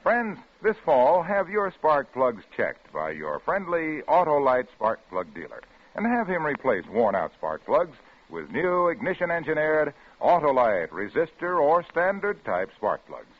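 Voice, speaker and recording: Animated vintage radio pitchman, higher-voiced man. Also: measured pace. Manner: hearty, emphatic salesman. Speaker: commercial announcer. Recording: tinny band-limited old radio recording.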